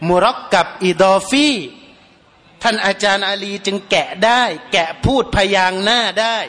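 A man preaches a sermon, his voice sitting high. He speaks earnestly, often repeating his points for emphasis. His words ring out with a long reverb, as if in a large hall. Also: moderate pace, bright, forceful tone. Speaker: Muslim preacher.

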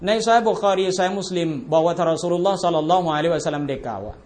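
A man giving an informal religious lecture, joking bluntly in everyday speech and chanting Arabic passages. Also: on the high side.

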